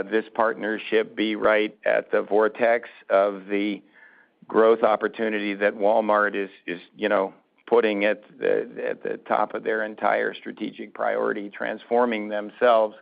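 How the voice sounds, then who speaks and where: A man answering questions as a company executive on an earnings call, speaking in a halting, deliberate way with restarted phrases. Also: fairly low pitch, vocal fry. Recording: muffled narrowband phone conference line.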